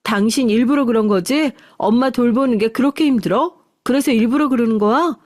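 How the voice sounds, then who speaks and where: An earnest grown daughter, voiced by a woman reading a radio story, coaxing and a little raised in pitch. The sound is dry and close. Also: a little fast, a little mellow, no room sound, lightly acted. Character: devoted adult daughter, worried wife.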